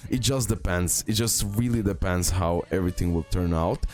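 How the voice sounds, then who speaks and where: Speaking at normal speed, a guy with a deep voice thinks out loud while ranking games in a casual tier list for his YouTube channel. It's an indoor screen-recording voice-over with some music behind him, and he comes across as hesitant, often repeating phrases to stress a point.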